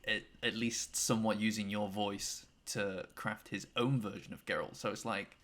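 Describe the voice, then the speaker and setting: A man's voice: lowish voice, steady tone, normal speed, fairly bright tone. A young man hosting an interview, asking long rambling questions full of fillers and laughs. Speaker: interviewer host. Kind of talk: casual interview chat.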